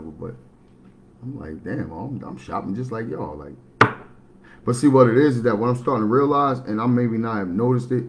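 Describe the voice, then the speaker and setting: Low baritone guy, blunt rambling livestream talk, faint hiss behind. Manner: blunt, matter-of-fact, rambling with restarts. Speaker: livestream host. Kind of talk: casual livestream monologue.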